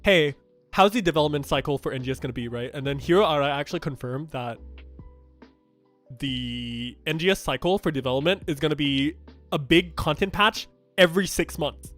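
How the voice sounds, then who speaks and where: Streamer casting: young man from Thailand, Thai and Japanese native, fairly high voice, blunt chatty gaming commentary, faint music under it. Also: a little fast, a bit bright. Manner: chatty and blunt, with frequent fillers and restarts. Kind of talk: casual game news reaction commentary.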